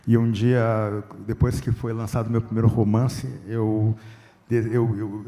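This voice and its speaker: A man from Rio Grande do Sul, a writer speaking on a festival panel, earnest and measured with a few halting restarts. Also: mid-range voice, dark tone, big-room sound. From Rio Grande do Sul, Brazil. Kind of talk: conversational panel remarks.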